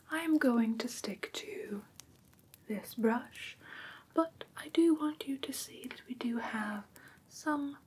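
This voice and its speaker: Woman whispering as a prim, slow-talking vampire teacher. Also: fairly high pitch, heavily acted. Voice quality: soft, breathy whisper. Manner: formal, precise, deliberate, theatrically stern. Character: prim, strict female vampire teacher of human pet care. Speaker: ASMR performer. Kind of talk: ASMR roleplay class.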